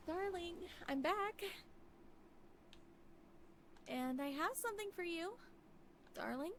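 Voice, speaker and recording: A woman's voice: very high voice, fairly bright tone, slight background noise, heavily acted. A woman acting out a troubled, suspicious wife from a horror visual novel, with theatrical delivery. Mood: eerie sweetness. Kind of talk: reading visual novel dialogue dramatically.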